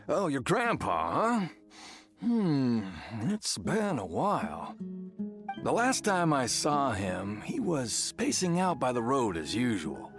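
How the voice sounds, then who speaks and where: A man voicing a kindly, rambling married villager in a video game. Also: medium pitch. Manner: rambling, animated storytelling with sighs. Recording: game music behind the voice.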